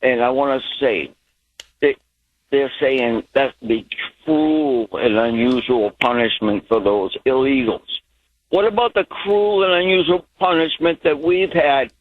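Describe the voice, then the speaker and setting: A man's voice: mid-range voice, dry recording. A man calling in to a talk radio show over the phone, speaking with passion and often restarting his sentences. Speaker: caller. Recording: tinny phone line.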